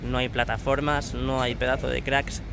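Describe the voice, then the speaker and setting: A man's voice: mid-range voice, level tone, normal speed, gravelly. A man from Spain giving jokey, chatty commentary as he walks outdoors, filming on his phone. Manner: jokey, chatty, broken English with foreigners. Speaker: vlogger. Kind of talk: casual walking commentary. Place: outdoors on a city street. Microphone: phone held by the speaker. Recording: traffic noise outdoors.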